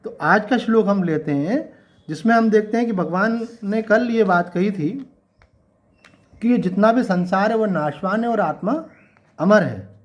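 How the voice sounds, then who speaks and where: A man giving a conversational devotional sermon, asking his listeners rhetorical questions and reciting couplets slowly. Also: high voice. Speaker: swami giving a Gita discourse.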